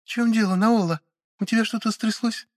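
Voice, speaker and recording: A man voicing a gentle, caring young noblewoman who speaks softly and earnestly. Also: high voice, fairly even intonation, a little fast, no room sound, clean studio sound, pitched above the performer's own voice, close to an everyday voice. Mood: warm. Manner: soft, earnest, kind. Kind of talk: audiobook character voice.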